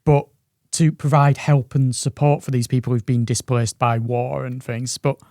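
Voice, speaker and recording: A man co-hosting an interview podcast, talking in a halting, hesitant conversational way. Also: medium pitch, flat delivery, warm tone, dry recording, clean studio sound. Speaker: podcast co-host.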